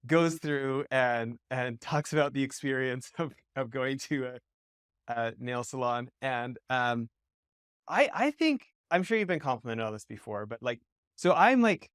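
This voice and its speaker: A man's voice: medium pitch, measured pace, a bit bright, clean tone, no room sound, clean studio sound. A man from Western Canada hosting an interview, asking rambling questions full of restarts and fillers. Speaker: podcast host. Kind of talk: casual interview.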